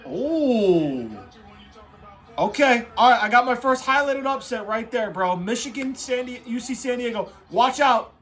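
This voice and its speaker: A man talking like an excitable frat bro, hosting a casual, off-the-cuff sports reaction full of slangy asides. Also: extremely high pitch, measured pace. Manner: excitable frat-bro talk, heavy on "bro" and "dude". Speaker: host reacting to a tournament bracket.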